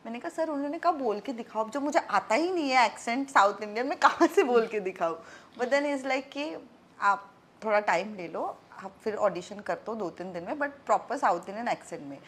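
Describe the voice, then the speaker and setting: A woman's voice: fairly high pitch, lively intonation, normal speed, fairly bright tone. A young actress chatting candidly as an interview guest, mixing English phrases into her Hindi.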